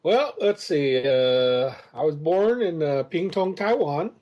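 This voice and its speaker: A man's voice: a little high, animated, slow pace, dull audio. A man in his fifties, raised in the United States, guesting on a podcast and telling long stories full of hesitant "uh"s. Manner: rambling, many hesitant fillers. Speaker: interview guest, comics creator. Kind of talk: casual storytelling interview.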